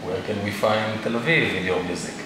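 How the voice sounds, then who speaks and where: A man asking interview questions in a slow, measured, polite way. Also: lowish voice. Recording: echoey room, distant mic, noisy.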